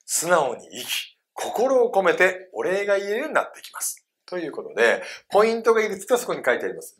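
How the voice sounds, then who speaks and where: A man's voice: a little high, a bit bright. A man giving a live seminar talk in a room of adults, playful and quizzing his audience as he goes. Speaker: seminar speaker.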